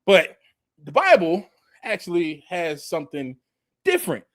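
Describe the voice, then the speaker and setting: A man's voice: high-pitched, huge pitch swings, unhurried, fairly bright tone, no room sound, studio quality. A man in his forties teaching from scripture in a casual, conversational preaching style, restarting phrases and adding emphatic, mocking asides. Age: 40s. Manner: conversational preaching with frequent restarts and "you know". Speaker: Bible teacher.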